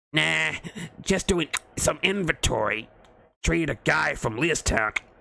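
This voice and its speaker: A man uses a put-on character voice that is raspy and fairly high in pitch. He speaks at a fairly slow pace. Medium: read story. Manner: chummy, salesy.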